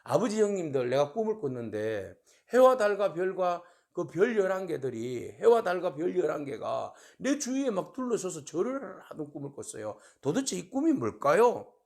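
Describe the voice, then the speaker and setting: A man's voice: sits high, big pitch swings, moderate pace, creaky, few pauses, darkish tone, heavily acted. A man voicing young Joseph, eagerly telling his older brothers about his dreams.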